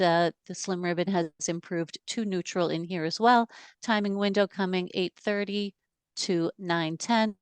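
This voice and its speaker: Woman going over stock charts on a call, smooth clear voice, lowish, dry close sound. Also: no echo. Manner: measured, steady explanation with fillers. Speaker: market analyst. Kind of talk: reading chart analysis.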